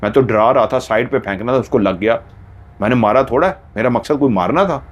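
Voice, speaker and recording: A man voicing a brash young man who keeps defending himself with quick excuses in a story. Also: medium pitch, husky, close to an everyday voice. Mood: defensive.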